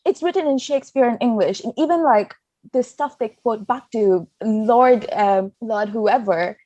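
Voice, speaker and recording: A woman's voice: on the high side, a little slow, warm tone, no room sound, lo-fi sound. A young woman, a law student guest, talking in a blunt, outspoken way and swearing freely in casual podcast chat. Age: young adult.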